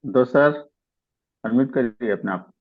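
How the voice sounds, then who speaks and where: A man's voice: medium pitch, unhurried. A man moderating a video call, giving short, polite prompts for guests to unmute. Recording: muffled online call audio.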